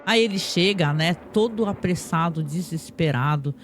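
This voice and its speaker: A man's voice: on the high side, normal speed, a bit bright, soft background music. A man hosting a podcast, casually retelling a plot with lots of tag questions and restarts. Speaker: podcast host.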